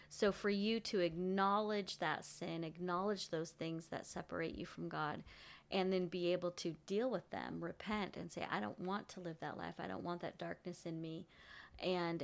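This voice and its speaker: A woman with a lowish voice co-hosts a Christian teaching conversation. She speaks with encouragement about faith and often repeats words while building up her thought. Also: vocal fry. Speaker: Christian teaching show co-host.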